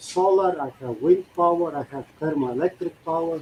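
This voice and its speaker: The speaker has an Eastern European accent and talks at a fairly slow pace. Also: man. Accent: foreign, Eastern European-sounding. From Finland or Sweden. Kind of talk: casual chat.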